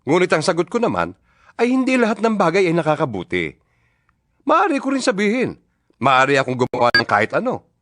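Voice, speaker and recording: Stern male apostle scolding his church, dramatic scripture style, very animated pitch, music under it. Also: brisk, no echo, clean studio sound, full character voice. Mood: firm, reasoning. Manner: emphatic, preacherly, rhetorical. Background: music behind the voice.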